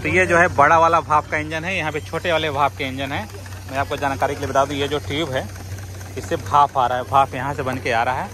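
A man's voice: on the high side, little pitch movement, a little fast, sharp tone, a little hiss or hum. A man from India with an Indian accent, giving casual, repetitive step-by-step vlog commentary outdoors from behind a handheld camera. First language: Hindi. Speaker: vlogger showing around a steam fire engine show. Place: outdoors in a parking lot fair. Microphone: handheld camera, operator behind it.

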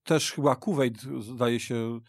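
A man's voice: medium pitch, takes it slowly, no echo. A man on a radio football show, adding points hesitantly with many fillers and restarts, speaking in a studio. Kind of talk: studio podcast discussion.

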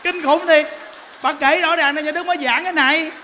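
In a temple lecture hall with long reverb, a male Buddhist monk gives a sermon full of humorous stories, laughing while he speaks. His very high voice is sharp and steady in tone and fairly quick, with some chatter and slight noise in the background.

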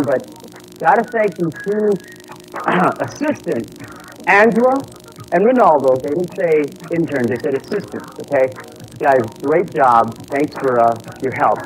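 A young man hosting a music video countdown on a TV studio set. His voice sits a little high, and he delivers punchy, energetic announcer patter. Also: poor audio. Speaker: music video show host. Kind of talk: upbeat TV presenter patter. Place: TV studio set, seated in director's chair.

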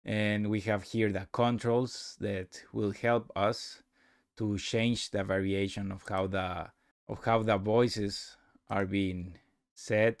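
Low, creaky-voiced man presenting a tutorial. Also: no echo, studio quality. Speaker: software demonstrator. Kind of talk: casual screen-recorded tutorial narration.

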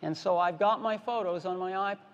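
A man with a high, gravelly voice gives a product keynote from a big stage. He talks in plain, repeated phrases that drive each point home. His voice carries the long reverb of a large hall. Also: normal speed, dull audio. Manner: plain, repetitive, emphatic product pitch. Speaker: keynote presenter.

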